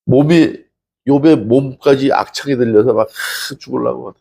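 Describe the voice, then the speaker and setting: A man's voice: mid-range voice, unhurried, vocal fry, mellow, husky. A male pastor preaching a sermon in a conversational way, asking the congregation questions and acting out scripture dialogue. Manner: acts out dialogue from scripture stories.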